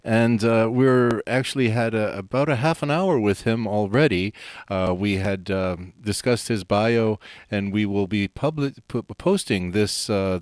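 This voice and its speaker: A man's voice: on the low side, clear, resonant tone, no echo, studio quality. A male radio host introducing and questioning a guest, hesitant with many fillers. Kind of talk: radio interview.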